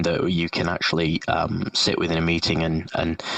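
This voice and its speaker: A man with a North Yorkshire accent and a very deep, low pitch talks at a fairly quick pace over noticeable background noise. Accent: northern Yorkshire English. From northern England, Yorkshire. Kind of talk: podcast interview. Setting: call, remote.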